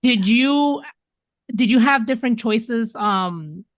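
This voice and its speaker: A woman's voice: a little high, lively intonation, slow, dry recording. Enthusiastic woman host, dry close sound. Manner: enthusiastic, effusive reactions. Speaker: podcast host. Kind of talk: casual interview.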